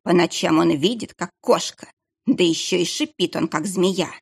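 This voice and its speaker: A woman's voice: on the low side, moderate pace, vocal fry, slightly rough. A woman voicing a frightened, superstitious archer who whispers his fears. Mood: fearful whisper. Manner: whispering, fearful.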